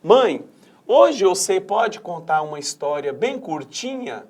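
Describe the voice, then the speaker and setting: A curious little country boy, as a male teacher reads him aloud asks his mother questions from a comic strip, his voice lifting high on each one. The lines come in a plain classroom read-through, with only a light touch of character. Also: big pitch swings, slow pace, darkish tone, full character voice.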